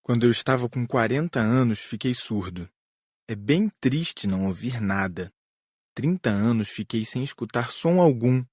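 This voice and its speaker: A man playing an earnest, repentant male spirit in a dramatised audiobook, speaking in a measured, confessional way. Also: medium pitch, lively intonation, darkish tone, breathy edge, no echo, studio quality. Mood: sorrowful. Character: earnest male spirit recounting deafness, illness and regret.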